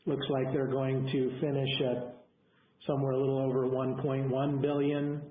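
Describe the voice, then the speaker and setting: A man, a company executive, giving a semi-scripted business briefing to investors in a halting way, often correcting himself mid-phrase. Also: medium pitch, completely flat delivery. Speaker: company executive on an earnings call. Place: conference call over phone. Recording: echoey, band-limited conference phone line.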